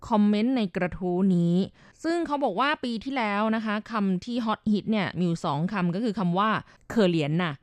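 A woman's voice: mid-range voice, clean tone, no room sound. A woman hosting a radio language segment, explaining words in a chatty, polite way. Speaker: radio host.

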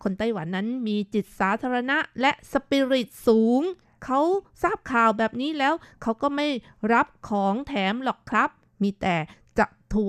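A woman hosting a radio talk show in a studio, reading listener comments aloud with lively emphasis. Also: fairly high pitch, no room sound. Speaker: radio host.

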